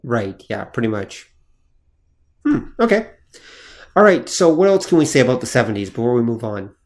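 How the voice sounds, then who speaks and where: A man's voice: medium pitch, very animated, normal speed. A man co-hosting a podcast, curious and asking short questions. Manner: curious, brief prompts and affirmations. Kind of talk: casual podcast chat.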